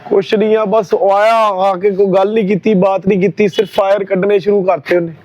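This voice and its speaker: Punjabi man, high and monotone, news testimony, slightly dull recording. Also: fairly quick. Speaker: victim's relative, interviewee. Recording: dull, muffled field recording.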